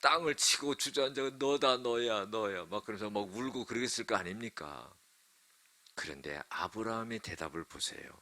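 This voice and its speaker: A man's voice: on the low side, a little fast, bright, forceful tone. A male pastor preaching a sermon, telling the story dramatically and emphatically while addressing the congregation.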